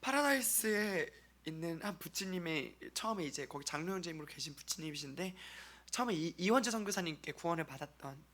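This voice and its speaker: Bright-voiced Korean man giving church testimony. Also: fairly high pitch, expressive, a little fast, few pauses. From South Korea. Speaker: church member reporting on a mission trip. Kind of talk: testimony presentation to a congregation.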